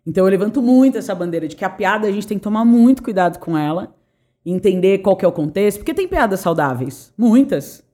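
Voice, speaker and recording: Fast-talking, emphatic woman. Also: mid-range voice, lively intonation, dark tone. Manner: emphatic and opinionated, drives her points home. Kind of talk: casual talk chat.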